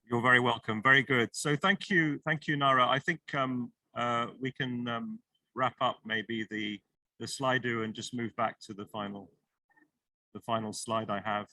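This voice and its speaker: Guy hosting an online panel, very bright sharp voice, dry close sound, encouraging and kinda hedging. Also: mid-range voice, fairly even intonation, moderate pace, no room sound, rough recording. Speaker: session moderator. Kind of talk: moderating an online panel discussion.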